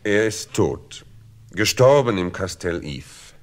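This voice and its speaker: The Count of Monte Cristo, calm and secretive. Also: male voice, on the low side. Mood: solemn, probing. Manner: measured, polite and controlled. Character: mysterious noble count, calm and secretive, also disguised as a priest.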